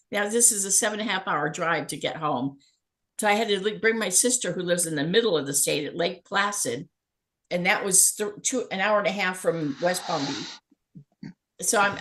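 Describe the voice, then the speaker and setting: A middle-aged woman with a slightly low voice tells a long, animated anecdote in a casual chat. She laughs often as she goes and keeps an easygoing storyteller's rhythm. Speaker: spiritual healer and guest. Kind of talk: casual storytelling on a talk show.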